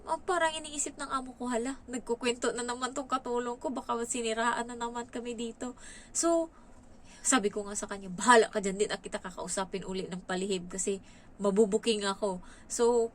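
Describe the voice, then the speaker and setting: A Filipina domestic helper tells a story in a casual vlog, lively and animated as she voices the people involved. She has a medium-pitched voice, with slight background noise.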